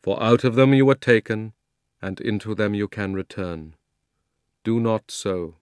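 A man voicing a great male lion who is strong and happy, speaking solemnly and slowly in an audiobook. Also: on the low side, smooth, dry recording, clean studio sound, close to an everyday voice. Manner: solemn, commanding, slow. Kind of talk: audiobook character voice.

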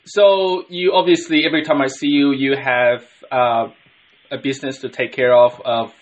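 A man's voice: mid-range voice, fairly even intonation, moderate pace, slight background noise. An Australian man hosting a podcast interview, asking long, rambling questions with many restarts. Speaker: podcast host. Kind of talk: casual interview.

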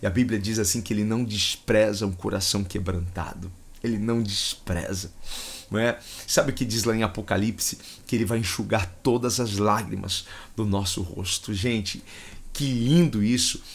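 A man's voice: lowish voice, fairly even intonation, moderate pace, gravelly, husky. A man with a Brazilian accent preaching a livestreamed sermon, fervent and repetitive, with emotional swells in his voice. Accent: Brazilian Portuguese.

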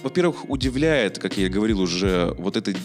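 A man with a fairly low voice hosts a casual podcast with faint music underneath. He reviews films in a jokey, conversational way and sometimes stumbles and restarts his words. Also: animated, fairly quick. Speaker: podcast host. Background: background music.

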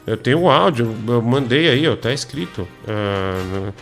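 A man's voice: medium pitch, animated, normal speed, vocal fry, faint music behind. A man hosting a comedy radio show, needling and teasing his co-host.

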